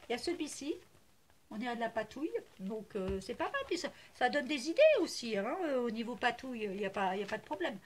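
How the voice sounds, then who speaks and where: A woman's voice: a little high, animated, fast talker, slight background noise. A woman chatting casually to camera about her craft haul, hesitant with many fillers, gushing and repeating herself. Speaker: crafting vlogger showing a haul.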